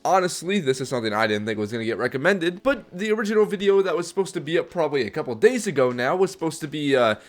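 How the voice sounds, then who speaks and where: Tired guy reacting to a video, kinda high voice, stuffy nose n a bit hoarse. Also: expressive, rapid-fire, hardly any pauses, soft background music. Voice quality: nasal. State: just woke, tired; slightly hoarse voice from shouting at a concert. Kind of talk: casual reaction commentary.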